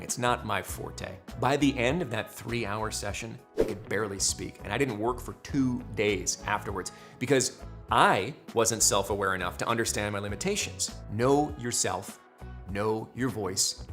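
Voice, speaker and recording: A man's voice: medium pitch, a bit bright. A man, a voice actor, giving a scripted tutorial with wry, jokey asides and emphatic explanations. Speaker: voice actor teaching anime dubbing.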